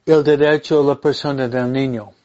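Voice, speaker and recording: A male Catholic priest, a native English speaker with an English accent, giving an informal religious talk in a deliberate, halting way with repeated phrases. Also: medium pitch, fairly even intonation, a little mellow, lo-fi sound. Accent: English-speaking accent in Spanish. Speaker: Catholic priest leading an online prayer group.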